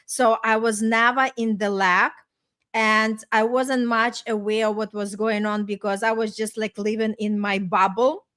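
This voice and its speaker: A woman's voice: medium pitch, steady tone, unhurried, fairly bright tone. Chatty Eastern European woman, middle-aged. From small town in Ukraine, former Soviet Union. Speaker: podcast host and life coach. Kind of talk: casual personal storytelling in conversation.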